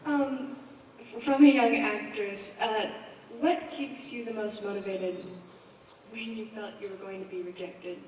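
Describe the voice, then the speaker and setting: A woman's voice: medium pitch, steady tone, a little slow, a little mellow, a little hiss or hum. A woman in the audience asking a hesitant question, with fillers and restarts. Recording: distant voice in an echoey hall.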